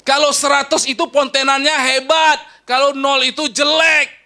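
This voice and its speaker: High bright-voiced male preacher, animated. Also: normal speed. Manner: animated, joking with the audience, rising and dropping sharply. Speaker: Islamic preacher. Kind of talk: lecture sermon to an audience.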